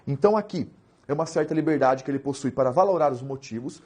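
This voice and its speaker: Animated, joking Brazilian man teaching law. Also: mid-range voice, quick pace. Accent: Brazilian Portuguese. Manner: animated, jokey, asks rhetorical questions. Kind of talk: lively recorded lecture.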